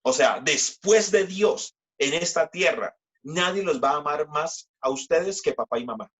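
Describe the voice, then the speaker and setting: A man, preaching a sermon as pastor and reading scripture slowly with emphatic repetition. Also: animated, a bit bright, slightly rough. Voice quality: deep voice. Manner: slow, emphatic scripture reading with repeated phrases.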